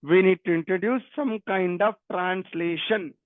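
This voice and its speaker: A man's voice: high-pitched, moderate pace, dry recording. A man from Telangana, a native Telugu speaker with a Telugu Indian English accent, teaching programming interactively and repeating his phrases and questions. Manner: repeats phrases and questions, often addressing students. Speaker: programming instructor. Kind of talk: interactive online technical lecture. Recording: narrow phone-like line.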